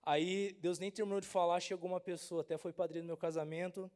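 A man's voice: sits high, little pitch movement, fast talker, darkish tone. A young man from Brazil, a pastor giving a casual, slangy youth sermon and often asking the crowd if they understand.

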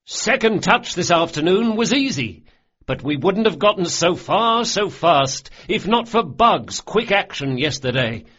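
A showy young gang leader of thieves, as a male narrator puts him on, raising his voice a little above his usual pitch and speaking loud and grand. His speeches swagger with mock ceremony. The audiobook sound is slightly dull and lo-fi. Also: sing-song, unhurried, husky, exaggerated voice. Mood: mock scolding.

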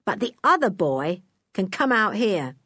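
Woman reading as a menacing gruff male crook. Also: medium pitch, big pitch swings, a little slow, pushed and bright, dry recording, studio quality, full character voice. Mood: threatening. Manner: menacing, bossy. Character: gruff threatening male circus crook, bullying.

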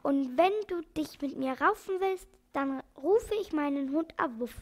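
A kind old animal doctor from a children's storybook, gentle but firm when he speaks, as a woman narrator puts him on. The voice sits high and gets raised and loud when he stands his ground. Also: lively intonation, measured pace.

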